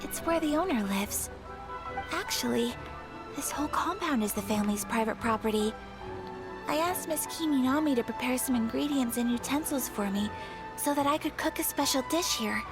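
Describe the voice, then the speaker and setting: A gentle, polite noble girl. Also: sits high, lively intonation, normal speed. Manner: soft-spoken, formal, apologetic. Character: young noble lady, polite and composed. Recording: game audio with music behind.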